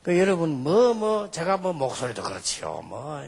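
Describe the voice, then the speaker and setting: A man's voice: on the high side, very animated, moderate pace, gravelly, darkish tone, husky. A man from Busan with a Busan accent, preaching a sermon as a pastor in a colloquial, emphatic manner with rhetorical questions. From Busan, South Korea. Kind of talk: sermon with personal anecdotes.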